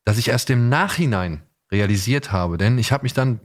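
A man hosts a relaxed conversational podcast. His voice sits at a medium pitch. He talks in a colloquial way and slips into mock quotations to make his points. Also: moderate pace. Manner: colloquial, acts out imagined quotes. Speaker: podcast host. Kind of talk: casual chat.

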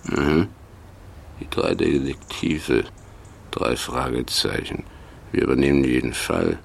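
An actor playing a genial, courteous older man questioning young detectives in a German radio play, with a gravelly voice. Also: a bass voice, slow, a little hiss or hum, full character voice. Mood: curious, skeptical.

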